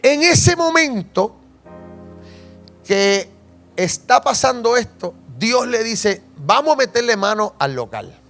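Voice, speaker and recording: Man, Puerto Rican accent, pastor, high pitch, lively testimony sermon, soft background music. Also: takes it slowly. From Puerto Rico. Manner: animated storytelling, asks the congregation questions.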